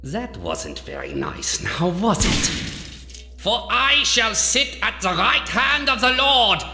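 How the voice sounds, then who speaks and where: Slow, theatrical, deranged doctor villain. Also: male voice, mid-range voice, huge pitch swings. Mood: quietly menacing. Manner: pompous, theatrical, over-enunciated. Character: smug, deranged male doctor villain with grandiose, apocalyptic menace. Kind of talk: video game villain acting. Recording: echoey reverberant hall, faint music behind.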